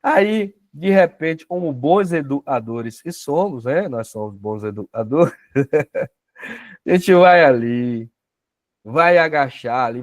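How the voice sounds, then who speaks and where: A man's voice: medium pitch, no room sound, clean studio sound. A man with a Brazilian Portuguese accent teaching a self-knowledge class in a conversational way, often adding tag questions and acting out little dialogues.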